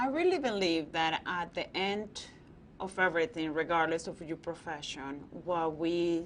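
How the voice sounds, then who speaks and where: Speaking at a fairly slow pace, a woman uses a fairly low pitch with ordinary pitch variation. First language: not English. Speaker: accountant and auditor. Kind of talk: interview testimony.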